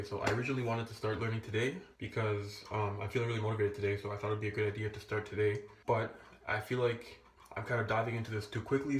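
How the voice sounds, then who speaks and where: A young man talking casually to camera as a language-learning vlogger, rambling and restarting his sentences. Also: lowish voice. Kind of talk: casual vlog talk. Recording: echoey room.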